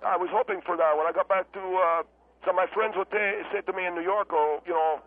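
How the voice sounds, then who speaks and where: A man's voice: high-pitched, steady tone, brisk, a little hiss or hum, pitched above the performer's own voice, lightly acted. A man voicing a rambling male German radio guest who speaks with a put-on Hispanic-tinged accent, hesitant and full of fillers. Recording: tinny phone line.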